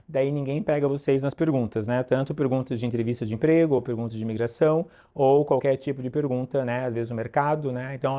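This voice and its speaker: A man teaching an online English lesson, drilling pronunciation slowly and checking in with "ok?" often. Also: medium pitch, dark tone.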